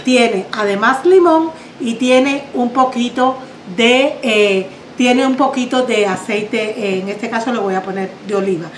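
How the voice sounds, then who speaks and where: A middle-aged woman with a Cuban accent talks viewers through a recipe in her home kitchen, her voice sitting high and light. She is chatty and homely, sprinkling in little diminutives. The room rings with an echo, and a faint hum sits underneath. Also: a little slow. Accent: Cuban Spanish. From Cuba. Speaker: cooking show host. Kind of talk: home cooking demonstration. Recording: roomy kitchen echo, faint background noise.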